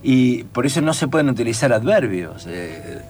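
Animated Rioplatense man, lively pitch. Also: normal speed, faint music behind. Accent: Rioplatense Spanish. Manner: animated, sings out rhythms to explain. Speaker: writer and teacher. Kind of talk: casual conversation.

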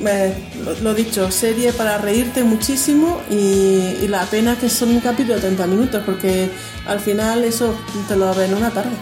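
A woman hosting a relaxed radio chat, chatty and quick to laugh, often starting a sentence over. Her voice sits at an ordinary middle pitch. Music plays clearly beneath her. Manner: chatty, laughs easily, many restarts. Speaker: radio host. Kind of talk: casual radio chat reviewing a series.

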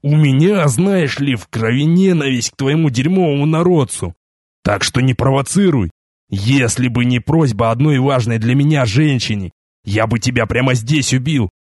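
A man voicing a cold, menacing white-haired sorcerer prince who speaks in a flat, contemptuous way. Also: medium pitch, normal speed, no room sound, studio quality, close to an everyday voice. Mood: furious.

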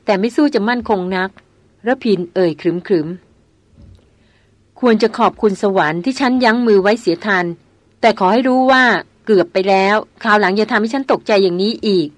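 A woman voicing a gruff adult male jungle hunter who speaks curtly and sternly in an audiobook. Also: mid-range voice, moderate pace, no echo, close to an everyday voice. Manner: curt, stern.

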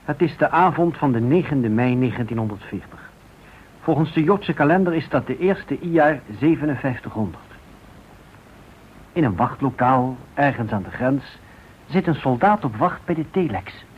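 A man narrating a radio drama solemnly, in deliberate, dramatic short phrases. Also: mid-range voice, lively intonation, slight background noise. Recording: dull radio recording.

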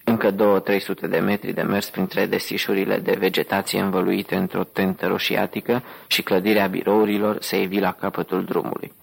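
A man narrates an audiobook in a steady, even manner, his deep, husky voice gravelly in texture and flat in pitch. He pauses little, and the recording sounds rough.

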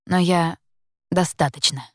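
A woman reads a first-person story in a calm, measured way, her voice sitting a little low. The sound is dry and close, with no room around it. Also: no room sound. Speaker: audiobook narrator. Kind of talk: scripted first-person narration.

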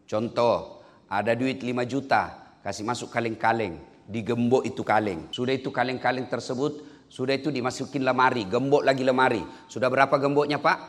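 A man from Indonesia giving a joking sermon, animated and breaking into loud, high bursts. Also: fairly quick, long reverb tail. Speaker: preacher. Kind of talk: comedic sermon.

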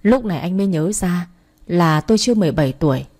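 A woman's voice: on the low side, lively intonation, fast, mellow. A woman reading a dramatic first-person story as narrator.

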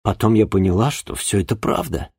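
A man reading as a gentle young pregnant woman. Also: lowish voice, animated, a little fast, creaky, breathy edge, no room sound, studio quality, heavily acted. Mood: nostalgic. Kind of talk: audiobook reading.

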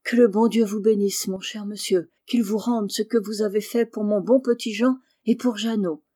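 A woman voicing a poor, tender-hearted peasant mother in an audiobook, speaking softly and humbly. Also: medium pitch, fairly even intonation, normal speed, close to an everyday voice. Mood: humble. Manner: soft, humble and emotional. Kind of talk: audiobook character reading.

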